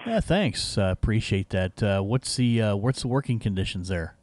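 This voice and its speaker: A man's voice: lowish voice, lively intonation, moderate pace, darkish tone. A man working as an amateur radio operator, giving call signs in phonetic words and making casual contact. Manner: repetitive phonetic call-sign delivery. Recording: faint background radio hiss. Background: faint hiss.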